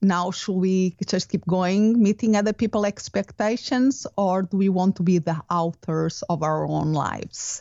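Hardly pausing at all, a woman speaks at a fairly slow pace and a medium pitch with a Portuguese accent. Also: ordinary pitch variation. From Portugal. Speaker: coach and podcast host. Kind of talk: casual interview.

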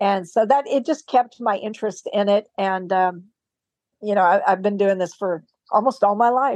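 A woman at medium pitch with an unremarkable speaking voice, ordinary pitch variation, and a moderate pace. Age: 50s. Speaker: bishop and exorcist. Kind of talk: interview.

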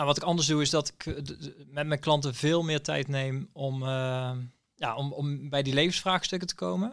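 Over a very clean recording with a silent background, a man with fairly high pitch talks at a moderate pace with ordinary pitch variation. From Netherlands, North Brabant. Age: 30s. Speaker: financial planner. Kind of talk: interview. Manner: halting.

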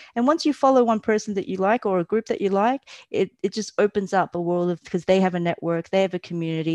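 Speaking at a fairly quick pace, a woman with an Australian accent has a medium pitch and ordinary pitch variation. The sound is dry and close with no echo, over a quiet background. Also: hardly any pauses. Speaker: educator. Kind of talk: interview.

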